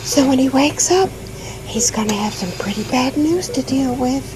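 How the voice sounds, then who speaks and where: A woman plays a casual hospital worker in an audio drama. Her high voice moves up and down freely, in a conversational, matter-of-fact way. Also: expressive, moderate pace, poor audio. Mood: gossipy, sympathetic. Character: casual hospital staffer woman passing on patient news.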